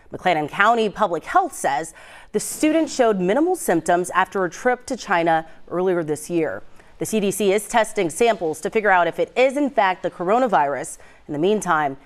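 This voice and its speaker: A woman with an American accent reading scripted morning news as a television anchor in a studio. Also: fairly low pitch.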